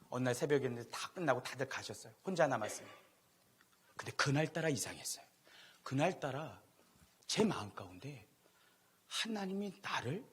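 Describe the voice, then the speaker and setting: A middle-aged man preaching in a church, a pastor telling his own story to the congregation. His voice is loud and fairly high, with a husky edge, and it climbs and drops constantly as he moves from near-shouts to hushed confessions. He tells the story with self-mocking humor. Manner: animated, swings from loud to hushed, laughing at himself. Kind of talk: sermon with personal storytelling. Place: church sanctuary.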